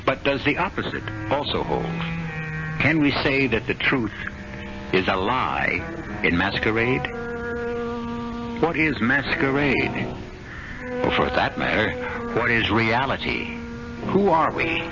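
A man's voice: mid-range voice, very animated, takes it slowly, pauses often. A man hosting and narrating a radio mystery show in a theatrical, ominous, rhetorical way. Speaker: radio drama host. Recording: dull lo-fi vintage radio recording with loud music.

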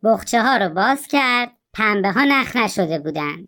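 A woman co-hosting and narrating a children's story with an expressive, animated delivery. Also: medium pitch. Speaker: co-host storyteller.

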